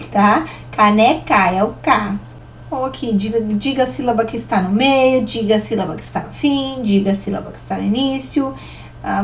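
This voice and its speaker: A woman teacher giving a recorded online lesson, explaining patiently and slowing down to sound out example words. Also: a little high, recorded from a distance, rough recording.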